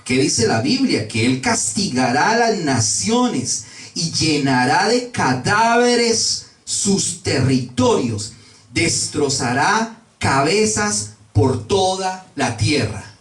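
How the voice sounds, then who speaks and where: A male preacher delivers a sermon in a high, swooping voice, stretching out and repeating his key words. He sounds like he is standing some way from the microphone, and the room around him rings with echo. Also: sing-song, slow pace, a bit bright. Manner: emphatic, drawing out key words and repeating them. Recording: echoey room, voice from a distance.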